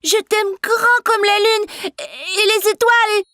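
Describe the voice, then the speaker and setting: Cartoon little boy, about four: very high pitch, slow pace, eager, innocent, curious. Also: pushed and bright, full character voice. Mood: loving. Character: cheerful curious four-year-old boy. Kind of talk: children's cartoon dialogue.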